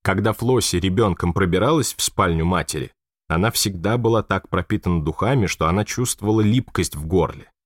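A man with a very deep, low voice reads a novel aloud in a calm and even manner. The recording is close and dry, with no room echo. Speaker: narrator. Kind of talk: audiobook narration.

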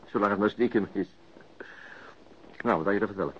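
An actor playing a calm, understated police detective in a radio drama, speaking in a dry, matter-of-fact way. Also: male voice, on the low side, moderate pace, background noise, close to an everyday voice. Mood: relaxed, dry. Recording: dull radio drama recording.

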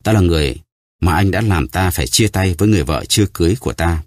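A man voicing a stern, vengeful nobleman who speaks gravely and solemnly, in a deep, dry voice. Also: lively intonation, fast, dry recording.

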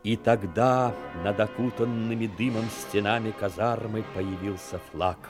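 A man giving dramatic scripted narration for an audio play, measured and literary. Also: on the low side, steady tone. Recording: music behind the voice.

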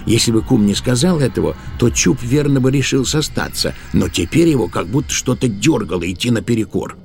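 A man's voice: mid-range voice, lively intonation, fairly quick, gravelly, a little mellow. A man narrating a literary tale as the storyteller of an audio play.

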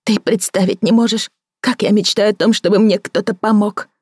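A woman narrator voicing a bitter, jealous woman who speaks in a shrill, scornful, overwrought way. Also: fairly even intonation, normal speed, a little mellow, breathy edge, no room sound, clean studio sound, close to an everyday voice. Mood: weary, pleading. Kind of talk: audiobook character voicing.

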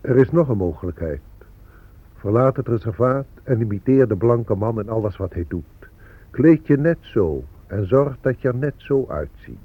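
A man's voice: medium pitch, animated, normal speed, breathy edge. An actor playing a grave, disillusioned Native American man in a radio play, with an ironic manner. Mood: bitter irony. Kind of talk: Dutch radio play acting. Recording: dull, lo-fi radio recording.

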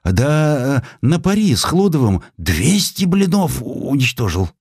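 A man's voice: medium pitch, sing-song, unhurried, a little mellow, slightly rough, no echo, studio quality, pitched above the performer's own voice, heavily acted. A man voicing a flustered, servile messenger who stammers and hesitates deferentially in a dramatised audiobook.

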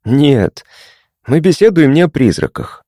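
A man voicing a touchy young male patient who talks matter-of-factly and takes offence quickly. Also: on the high side, sing-song, warm tone, no echo, clean studio sound, voice pushed up.

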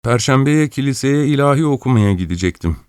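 A man voicing a tearful, injured orphan apprentice boy who pleads in a high, thin voice. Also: expressive, a little fast, darkish tone, smooth, no echo, close to an everyday voice. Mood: sorrowful. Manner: pleading, whiny, high-pitched.

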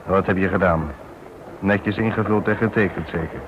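A man's voice: low voice, steady tone, moderate pace, lightly acted. An actor playing an indignant, defiant man challenging his companion in a Dutch radio play. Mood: sarcastic, challenging. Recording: dull, noisy old radio recording.

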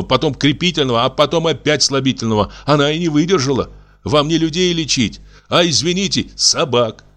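A whining young village medic voiced by a man sneers and plays the martyr in a raised, nasal-sounding register. His lines lurch up and down in pitch. The scene is from an audiobook reading. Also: a bit bright. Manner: whining, mock-humble, sarcastic.

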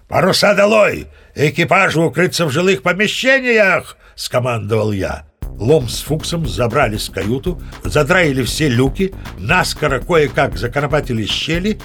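A man's voice: a little high, fairly bright tone, full character voice. An actor playing a boastful old sea captain, chatting to the listener as he spins tall tales in an audio play. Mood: commanding. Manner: chatty, self-satisfied storyteller addressing the listener. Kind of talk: audio play storytelling monologue.

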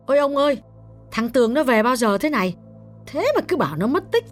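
A shrill, fussy older mother, put on by a male storyteller, who talks in quick, exasperated bursts and insists she is right. The voice sits high and thin above his own. Faint music plays underneath the audiobook reading. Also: sing-song. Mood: startled.

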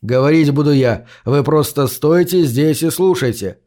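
A man's voice: fairly high pitch, moderate pace, mellow, natural voice. A man reading an audiobook, voicing a male doctor in a clipped, commanding tone.

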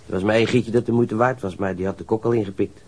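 A man's voice: fairly low pitch, steady tone, quick pace, darkish tone, slight background noise, lightly acted. An actor playing a surly, defensive young male ship's stoker in a radio crime drama, coarse and sullen, stammering when riled. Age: young adult.

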